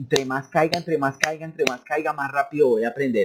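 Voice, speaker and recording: Animated in tone, a man talks at a fairly high pitch. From Colombia. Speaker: English teacher. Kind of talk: casual monologue. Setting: library.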